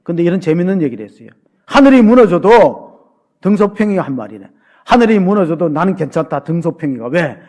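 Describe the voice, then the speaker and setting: A male pastor preaching in a church sanctuary, with a voice that sits high for a man. He keeps the tone chatty and funny and turns to the congregation with questions. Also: lively intonation, fast talker, a little mellow. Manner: conversational and humorous, questions the congregation. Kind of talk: sermon.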